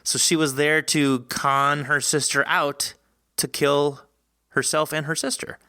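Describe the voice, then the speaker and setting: A man hosting a casual interview, talking informally and thinking aloud in an animated way. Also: fairly high pitch, a little slow, clear, resonant tone, no echo, clean studio sound. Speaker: podcast host interviewing an author.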